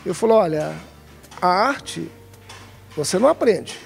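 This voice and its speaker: Hesitant man with a gravelly voice. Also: high voice, expressive, unhurried, faint music behind. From Brazil, Minas Gerais. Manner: hesitant, many fillers and restarts. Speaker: woodcarving artisan, guest. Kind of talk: casual interview answers. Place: craft shop, indoors. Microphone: handheld mic held by interviewer.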